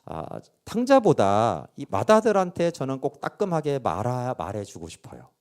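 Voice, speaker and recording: Lively-voiced male pastor preaching. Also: medium pitch, normal speed. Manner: animated preaching with rhetorical questions and sudden soft asides. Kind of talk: sermon. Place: church sanctuary.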